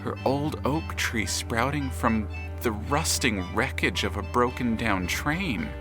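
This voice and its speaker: Slow, low male narrator over music. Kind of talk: scripted storybook-like narration in audio drama.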